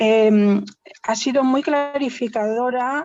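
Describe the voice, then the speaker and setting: A dark, mellow tone marks this voice. It belongs to a woman. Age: 60s. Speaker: audience member asking a question. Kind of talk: question in Q&A. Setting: video call, camera off. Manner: halting, many fillers.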